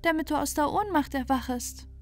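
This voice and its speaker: A woman doing a gentle little talking bird. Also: sits high, fairly quick, faint music behind, voice pushed up, lightly acted. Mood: tender, comforting.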